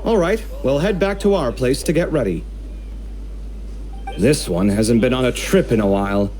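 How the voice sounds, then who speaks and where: A man's voice: medium pitch, expressive, normal speed, darkish tone, a little hiss or hum, natural voice. An actor playing a fussy, sarcastic young male architect in a video game, bickering in an exasperated way. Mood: upbeat.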